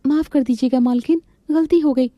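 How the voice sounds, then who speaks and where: A woman's voice: sits high, moderate pace, dry recording, highs cut off, pitched above the performer's own voice, natural voice. A woman voicing a timid young maid in a cartoon, meek and pleading.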